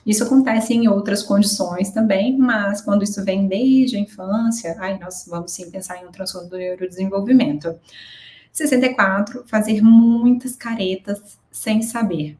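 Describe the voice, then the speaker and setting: A woman's voice: medium pitch, moderate pace, darkish tone, roomy sound. A woman psychologist with a Brazilian Portuguese accent, explaining a numbered list of signs in a patient teaching talk, often adding "né". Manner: explanatory, frequent "né" tags and small restarts.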